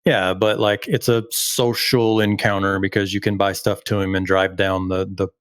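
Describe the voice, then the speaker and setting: A man with a low voice chats casually, telling rambling, self-deprecating stories about running tabletop games. The sound is dry and close. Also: flat delivery, normal speed, smooth, no room sound. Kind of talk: casual chat.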